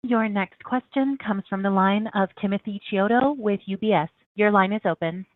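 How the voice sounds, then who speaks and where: A woman's voice: medium pitch, moderate pace, dry recording. A woman working as a conference operator, making formal announcements of callers. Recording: tinny narrow phone line.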